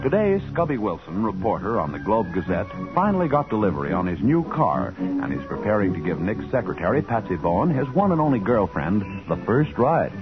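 A man with an American accent announcing a 1940s radio show in a scripted, deliberate, dramatic style. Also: lowish voice, very animated. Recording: muffled 1940s radio recording. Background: loud music.

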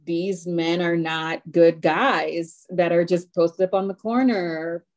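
A woman from Haiti, a podcast guest, recalling her childhood neighborhoods in a halting, reflective way with many fillers. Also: fairly low pitch, steady tone, a little mellow. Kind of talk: casual chat.

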